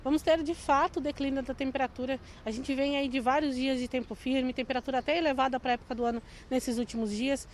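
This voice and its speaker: A woman meteorologist with a high voice explains the forecast in a steady, measured way. She talks into a handheld reporter mic on a city street, with faint traffic noise behind her. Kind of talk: live outdoor weather interview.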